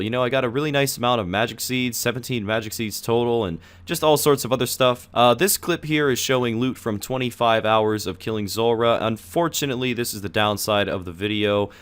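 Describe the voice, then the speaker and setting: A young man who is sick and losing his voice, talking casually over his gameplay footage as a gaming video creator, relaxed and chatty with frequent "uh"s and "you know"s. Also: mid-range voice. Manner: relaxed, chatty, filler-heavy.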